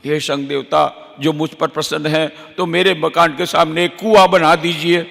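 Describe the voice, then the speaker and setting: A man's voice: a little high, flat delivery, normal speed, vocal fry, big-room sound, pitched below the performer's own voice. A man acting out a wailing, spiteful husband. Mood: pleading. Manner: wailing, lamenting loudly. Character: poor jealous husband, spiteful toward neighbor.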